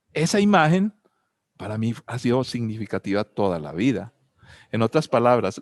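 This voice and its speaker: A man's voice: mid-range voice, darkish tone, no echo, studio quality. A man with a Colombian accent giving a reflective talk on family and spirituality, asking many rhetorical questions and telling personal anecdotes.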